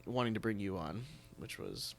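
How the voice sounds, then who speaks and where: Man, halting casual podcast host. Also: fairly low pitch, big pitch swings, vocal fry, a little hiss or hum. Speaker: podcast host, theatre producer. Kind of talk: casual chat.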